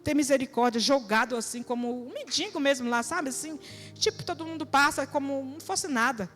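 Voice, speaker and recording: A high-pitched woman preaches to a congregation, urging and questioning in plain colloquial speech. Her voice rings through a reverberant church hall, with soft music underneath. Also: expressive, fairly quick. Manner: earnest, exhorting, colloquial, with rhetorical questions. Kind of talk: sermon.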